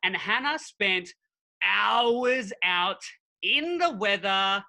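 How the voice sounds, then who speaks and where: Upbeat talkative man with a bright voice. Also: high-pitched, expressive, very slow, creaky, no echo. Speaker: podcast co-host. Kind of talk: casual chat.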